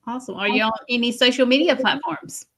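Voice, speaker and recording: A woman's voice: on the high side, quick pace, sharp tone. A woman hosting a casual interview, enthusiastic and repeating "awesome" often. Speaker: host.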